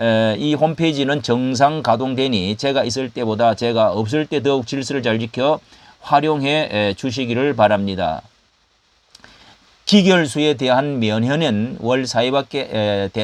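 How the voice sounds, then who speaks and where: This is a normal speaking voice. A man talks fairly slowly at a medium pitch with ordinary pitch variation. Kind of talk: reading a letter aloud.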